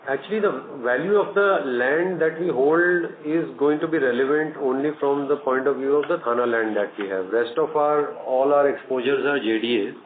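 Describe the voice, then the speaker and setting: On a noisy, echoey, tinny conference phone line, an Indian company executive with a medium-pitched voice answers questions during an earnings call, speaking in a halting way.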